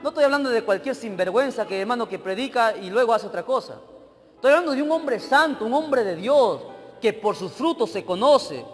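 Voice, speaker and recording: Dramatic high-voiced preacher in a reverberant hall. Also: male voice, animated, fairly quick. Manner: dramatic, swinging between loud emphasis and hushed narration. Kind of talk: sermon storytelling. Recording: church hall with long reverb, faint music.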